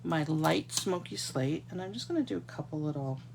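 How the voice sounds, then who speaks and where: A woman's voice: sits low, animated, brisk, gravelly, background noise. A congested woman from Canada, chatting to viewers as she demonstrates card-making at a craft desk. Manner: chatty, talks to viewers while working. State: congested, getting a cold. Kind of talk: casual live craft tutorial. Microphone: overhead camera on desk, hands only.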